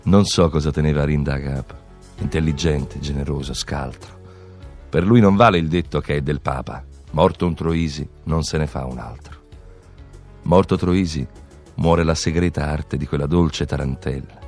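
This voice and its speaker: Male reciter, bass register, scripted poetic tribute, measured delivery over soft music. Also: steady tone.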